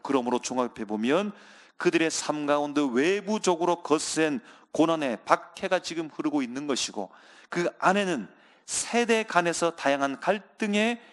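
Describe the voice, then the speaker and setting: A male pastor delivers a Sunday sermon in a fairly high voice. He speaks earnestly, addresses the congregation often, and drags out key words for emphasis.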